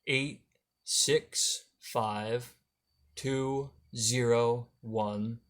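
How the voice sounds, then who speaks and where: Man, phone caller, terse answers, very slow, digit by digit. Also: medium pitch, steady tone, a bit bright. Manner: terse, reads digits one by one.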